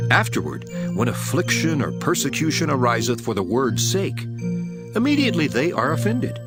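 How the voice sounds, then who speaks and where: A man playing a solemn, authoritative male teacher of parables, declaiming deliberately in a dramatized scripture reading. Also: on the low side. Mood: solemn teaching. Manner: declamatory, deliberate preaching delivery. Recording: prominent music behind the voice. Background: music.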